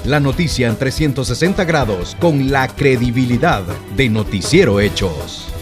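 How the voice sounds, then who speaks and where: A male announcer reads a scripted TV news promo. His mid-pitched voice moves in a lively way, with music clearly playing behind it. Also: normal speed.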